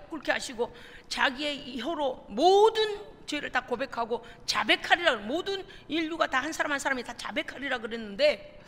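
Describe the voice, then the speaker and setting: A woman's voice: high voice, fairly bright tone. A woman pastor preaching a sermon in a church, earnest and full of rhetorical questions. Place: church sanctuary. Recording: reverberant church hall, faint noise.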